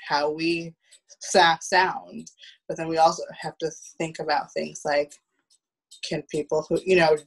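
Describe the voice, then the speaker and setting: A woman in her thirties talking casually on a video call as a panel guest, halting and often repeating words. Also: low voice, low-quality recording. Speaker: theater producer and guest. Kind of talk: casual roundtable talk. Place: room at home, video call.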